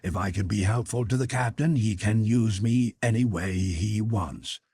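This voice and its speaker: A man voicing a plainspoken, hardy whaler, eager to pitch in, in an audiobook. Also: normal speed, warm tone, husky. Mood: earnest, willing. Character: tall, willing Canadian whaler, plainspoken and hardy. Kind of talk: audiobook character dialogue.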